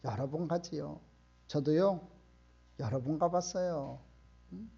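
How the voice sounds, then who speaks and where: A middle-aged man preaching a sermon in a church, emphatic and questioning the congregation, often swelling to loud outbursts. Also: on the high side, slow, gravelly, breathy edge, highs cut off. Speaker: pastor. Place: church sanctuary.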